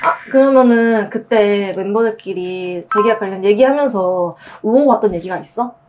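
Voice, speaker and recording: A woman's voice: mid-range voice, normal speed, background noise. A woman hosting a casual talk show, asking her guests questions with eager, curious reactions. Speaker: host. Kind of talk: casual chat, interviewing. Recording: music bed under the talk.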